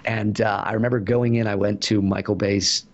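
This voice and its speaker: A man's voice: lowish voice, flat delivery, fairly quick, lo-fi sound. A man being interviewed about his voice acting work, telling stories in a chatty way with many fillers and restarts. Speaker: voice actor guest. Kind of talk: casual interview answers.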